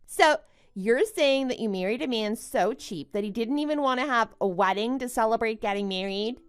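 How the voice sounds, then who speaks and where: A woman's voice: fairly high pitch, normal speed, smooth, soft background music, natural voice. A woman playing a smug, boastful young bride in a melodramatic story, taunting and condescending as she exclaims. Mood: gloating, taunting. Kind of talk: melodramatic animated-story voice acting.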